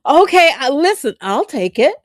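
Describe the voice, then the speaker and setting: A woman's voice: high-pitched, big pitch swings, moderate pace, dry recording, clean studio sound. A woman hosting a casual live online interview show, effusive and chatty. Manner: bubbly, effusive, laughs often. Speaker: host.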